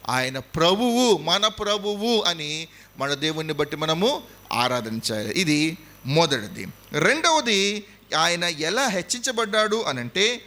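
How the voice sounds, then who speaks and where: Male pastor, Telugu accent, high bright voice, emphatic and repetitive sermon delivery, quizzing the congregation. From India. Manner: emphatic preaching, repeats points and quizzes the audience.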